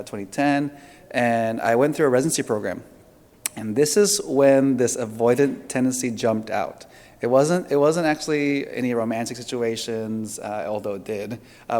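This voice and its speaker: A man's voice: mid-range voice, a little mellow, in a large hall. A man from Indonesia leading a seminar talk, asking the audience questions in a conversational way with fillers and restarts. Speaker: seminar presenter.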